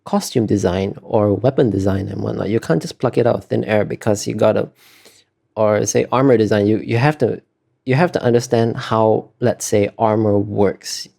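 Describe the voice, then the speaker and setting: Mellow-voiced man explaining things haltingly. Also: fairly low pitch, vocal fry. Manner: hesitant, self-correcting, explanatory. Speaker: concept artist being interviewed. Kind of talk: casual interview conversation.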